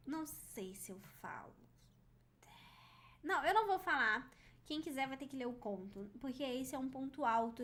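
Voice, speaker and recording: A woman's voice: high-pitched, fairly bright tone. A woman giving a casual writing lesson, critiquing a story on screen and reading passages aloud in a chatty, informal way.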